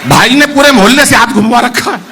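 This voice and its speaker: A man's voice: very high voice, a little fast, background noise. A man telling comic stories live to an audience at a poetry gathering, addressing the crowd directly and coaxing them to clap. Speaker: stand-up poet at a poetry gathering. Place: live event venue with an audience.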